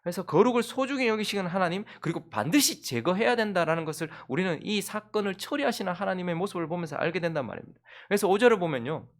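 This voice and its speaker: Middle-aged male pastor, expressive preacher whose voice swings widely in pitch while telling stories in a sermon. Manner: animated storytelling with family anecdotes. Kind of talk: dawn service sermon.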